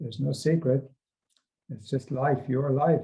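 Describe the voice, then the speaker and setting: A man talks with a dark, mellow tone and a somewhat breathy quality. His pitch is fairly high, and his intonation stays fairly even. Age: 60s. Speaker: coaching client, holistic network founder. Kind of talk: testimony. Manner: halting, many fillers.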